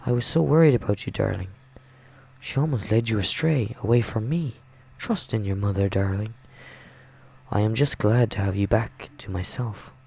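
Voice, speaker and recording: A man voicing a possessive, mocking mother in a visual novel, with cloying, drawn-out endearments. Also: fairly low pitch, creaky, mellow, breathy edge. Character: possessive, mocking, sinister mother figure, a grown woman. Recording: music behind the voice.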